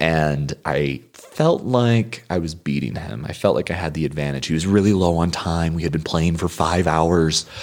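A man with an American accent and a very deep, low voice, at a moderate pace with hardly any pauses, ordinary pitch variation and noticeable background noise. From United States. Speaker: chess player. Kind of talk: casual interview. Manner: loud; animated.

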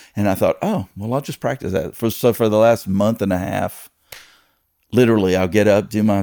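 Recorded very cleanly against a silent background, a man talks in a fairly low, dark and mellow voice with ordinary pitch variation. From Louisiana. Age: 60s. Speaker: session guitarist. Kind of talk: casual interview storytelling.

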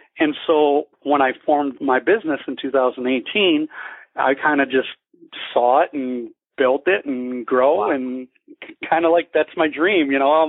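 A man's fairly high voice moves with ordinary pitch variation. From Wisconsin, US Midwest. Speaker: business founder. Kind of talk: interview. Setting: remote call.

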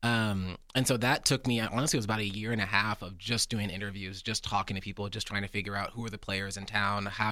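On a very clean recording with a silent background, a man with a fairly low pitch and a bright, sharp tone speaks at a fairly quick pace with fairly even intonation. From Virginia. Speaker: city youth program coordinator. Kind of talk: casual chat. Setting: studio.

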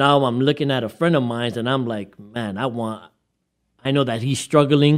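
A man at a moderate pace, medium in pitch, with fairly even intonation. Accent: Puerto Rican. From Puerto Rico heritage, raised in Massachusetts. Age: 30s. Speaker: youth pastor. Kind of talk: casual chat.

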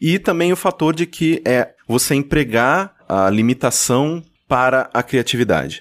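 A man talks in a normal speaking voice at medium pitch and a fairly slow pace. His intonation is lively while his loudness stays very even. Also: very clean recording, silent background. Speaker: podcast editor and game developer. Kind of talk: casual chat.

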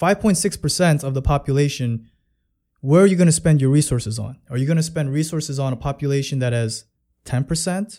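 On a very clean recording with a silent background, a man with a fairly high, somewhat breathy voice, a dark, mellow tone and an American accent speaks at a fairly quick pace with ordinary pitch variation. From Queens, New York. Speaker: podcast host. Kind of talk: solo commentary monologue. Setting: home video recording. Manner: animated.

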